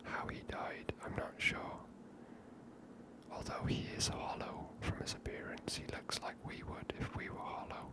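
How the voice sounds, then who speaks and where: The host of an ASMR series, a woman, comments on a video game in a soft, breathy whisper throughout. Her manner is casual and musing, and she talks at a normal speed.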